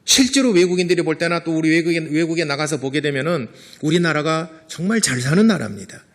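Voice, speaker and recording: A man's voice: fairly high pitch, lively intonation, fast, a bit bright. A middle-aged man preaching a sermon as a pastor, earnest, sometimes acting out prayers.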